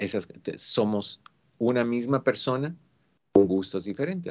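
Lively intonation marks this man's fairly slow speech. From Cuba (outside Havana) to age 11, then raised in a Mexican area of the US. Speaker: radio talk show host and doctor. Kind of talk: radio talk show. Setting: radio studio with phone-in.

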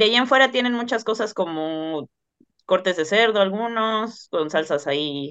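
A woman speaks with very wide swings in pitch. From Mexico City. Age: 30s. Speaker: scientist. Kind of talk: interview.

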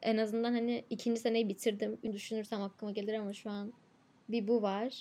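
A fairly high-pitched woman's voice, dark and mellow in tone, monotone and flat, at a fairly quick pace. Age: 20s. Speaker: podcast co-host, architecture student. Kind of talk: casual chat.

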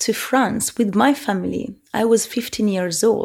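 The tone of this woman's voice is dark and mellow. She talks fairly slowly. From Italy. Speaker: gender equality advocate. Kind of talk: interview.

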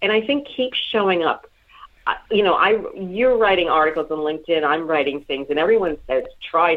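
Speaking at a moderate pace with a New York accent, a woman swings her pitch very widely. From New York City (Queens). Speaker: executive coach and author. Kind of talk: podcast interview. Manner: animated.

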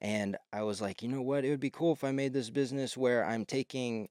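Recorded very cleanly with a silent background and a dry, close sound with no echo, a man speaks at a medium pitch and a moderate pace with a Midwestern American accent. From rural Missouri, US Midwest. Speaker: fashion designer. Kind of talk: casual interview.

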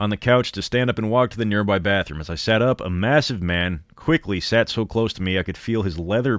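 Plain reading aloud moves through ordinary pitch variation.

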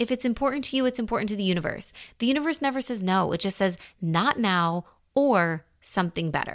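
A woman with an American accent speaks at a fairly quick pace and fairly high pitch, her tone animated and intonation lively, in a very clean recording with a silent background. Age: 20s. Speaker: podcast host. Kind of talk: solo podcast monologue.

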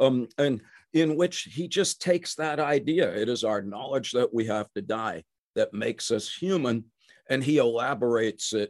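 With an American accent and a normal speaking voice, a man at medium pitch speaks at a moderate pace with lively intonation, his sound dry and close with no echo against a quiet background. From New Jersey, US. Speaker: psychology professor. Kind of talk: interview conversation.

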